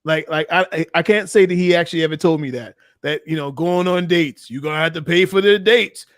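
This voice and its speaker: A man hosting a casual panel discussion, talking in a relaxed, chatty way and reading out viewer comments. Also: fairly high pitch, brisk, no echo, studio quality. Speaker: host.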